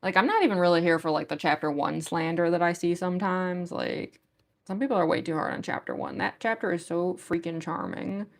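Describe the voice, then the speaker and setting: A young woman with a gruff voice that is going hoarse, chatting casually with viewers on a livestream in a rambling way full of fillers. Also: fairly low pitch, a little fast. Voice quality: gruff, smoker-like voice. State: losing her voice. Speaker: livestream artist. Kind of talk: casual chat with stream viewers.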